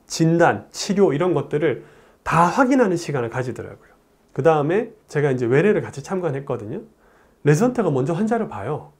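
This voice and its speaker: A man in his forties, a urologist, talking to camera in a chatty storytelling way in a plain studio on a lapel mic. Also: fairly high pitch. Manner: animated, gesturing hands, chatty storytelling. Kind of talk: explanatory talk to camera.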